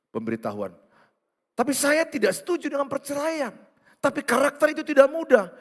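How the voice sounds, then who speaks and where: A male pastor, preaching a teasing, animated sermon and acting out quoted voices. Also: high-pitched. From Indonesia. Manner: lively, teasing, acts out quoted voices, swings between loud and hushed. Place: large church hall. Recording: long hall reverb.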